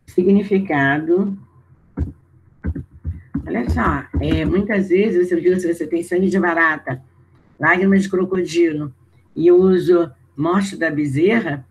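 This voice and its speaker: A Brazilian-accented man teaching an online class in a relaxed, talky way, reading prompts aloud and thinking through his answers. His voice sits somewhat high for a man. A faint hiss of room noise runs under his words. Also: measured pace, pauses often, low-quality recording. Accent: Brazilian Portuguese. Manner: conversational, checking in with students through tag questions; reads exercise prompts aloud, then thinks out loud. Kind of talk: online video lesson.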